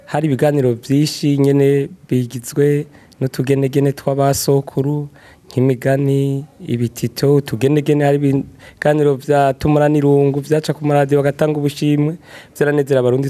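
A man's voice: medium pitch, mellow. A man from Burundi, speaking earnestly and gratefully in a radio interview. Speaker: community representative.

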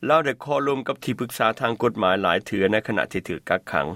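A man reading a news voice-over in a steady, formal way. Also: fairly low pitch, fast. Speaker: news narrator.

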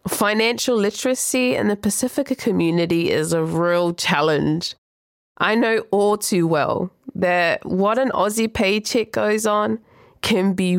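A woman's voice: fairly low pitch, dry recording, clean studio sound. A woman born in Samoa and raised in New Zealand, hosting a podcast in scripted narration with personal stories. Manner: reflective, personal storytelling. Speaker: podcast host. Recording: music bed underneath. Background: guitar music.

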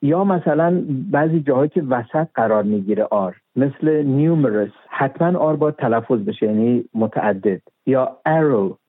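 A man's voice: mid-range voice, no room sound. A man talking as an expert guest in an interview, methodical and patient, spelling words out letter by letter. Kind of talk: explanatory interview talk. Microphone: phone. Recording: tinny phone line.

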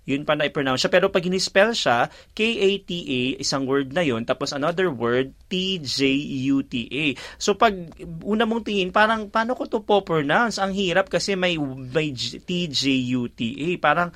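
A man from the Philippines co-hosting a casual radio chat, talking in a lively way, laughing often and spelling words out letter by letter. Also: fairly high pitch, moderate pace. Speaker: radio co-host.

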